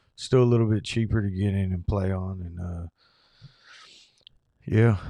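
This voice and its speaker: A man's very deep, low voice with a dark, mellow tone, fairly even intonation and a moderate pace, in a very clean recording with a silent background. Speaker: stock trading streamer. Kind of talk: live stream chat. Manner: casual, with fillers.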